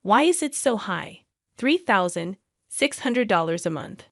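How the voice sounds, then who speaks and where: A man's voice: sits high, sing-song, measured pace, creaky, fairly bright tone, dry recording, clean studio sound, full character voice. A woman reading the part of an angry, demanding husband. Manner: demanding, raised voice.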